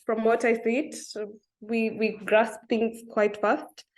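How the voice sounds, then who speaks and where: Kenyan-accented woman, young adult, interview guest, thoughtful, frequent ums, soft laughs. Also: on the high side, level tone, slow pace, low-quality recording. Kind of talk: interview conversation.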